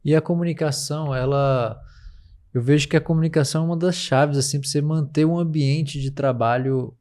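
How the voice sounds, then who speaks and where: A man's voice: a little high, fairly even intonation, a little fast, a little mellow. A Brazilian podcast host, a man, asking a question while searching for words and using fillers. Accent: Brazilian Portuguese. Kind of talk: interview questions.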